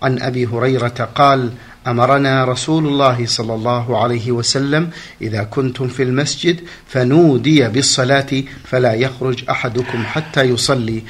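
A man reading and presenting in formal Standard Arabic as a radio program host, measured and deferential in manner. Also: medium pitch, steady tone, slight background noise.

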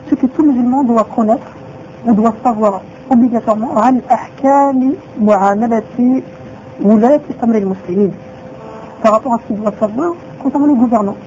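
A woman's voice: a little high, dark tone, slight background noise. A woman teaching a religious lesson who repeats her phrases and asks rhetorical questions, on a dull lo-fi recording.

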